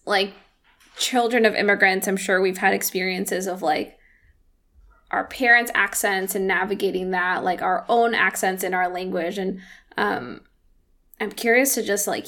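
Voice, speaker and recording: A woman's voice: medium pitch, a bit bright. A woman co-hosting a podcast, asking curious, open questions in casual conversation. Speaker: podcast co-host.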